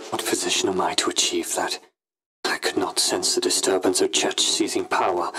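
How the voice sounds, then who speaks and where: A man voicing an ambitious, brooding Sith Inquisitor in a pompous, deliberate, theatrical monologue for a scripted audio log. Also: low-pitched, fairly bright tone, slight background noise, low-quality recording. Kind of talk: scripted in-character log narration.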